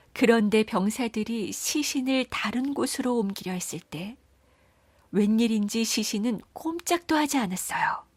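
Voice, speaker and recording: A woman narrating children's folktales in a gentle, measured storytelling manner. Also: a little high, breathy edge, no room sound.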